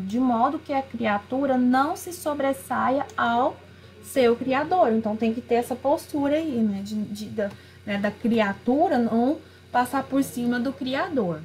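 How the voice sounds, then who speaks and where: A woman's voice: high-pitched, slight background noise. A woman literature teacher in a recorded video lesson, reading each question aloud and then explaining its answer, with many small fillers. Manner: frequent fillers like "né" and "aí". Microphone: screen recording over a worksheet.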